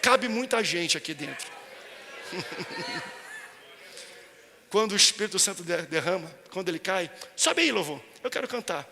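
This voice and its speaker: A Brazilian man with a Brazilian Portuguese accent preaches a sermon in a large church. His voice sits very high and sounds piercingly bright. Long reverb from the hall and soft music are heard behind him. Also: animated, measured pace, pauses often. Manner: storytelling, rising to impassioned preaching. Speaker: pastor.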